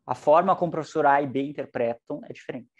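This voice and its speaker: A man giving an online psychology lecture, lively and joking, with shifting intonation. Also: fairly high pitch, quick pace, muffled recording.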